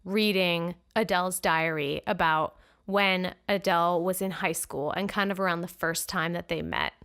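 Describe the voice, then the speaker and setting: A woman's voice: on the low side, normal speed, a bit bright, clean tone. A woman co-hosting a book-and-film podcast, chatting casually and laughing often, recorded in a living room. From United States. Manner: easygoing, laughs often, says "like" a lot. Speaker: podcast co-host. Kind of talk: casual chat. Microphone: new podcast microphone.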